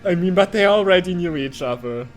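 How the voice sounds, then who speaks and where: A man giving casual, bemused reaction commentary in a halting way as a co-host. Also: sits high, lively intonation, faint music behind, rough recording. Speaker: co-host of a watch-along commentary.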